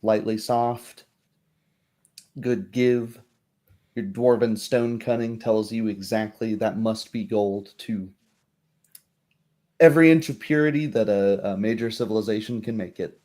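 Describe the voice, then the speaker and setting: A man narrates a tabletop roleplaying game as its game master. His voice is low, dark and very relaxed. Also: a little slow, pauses often.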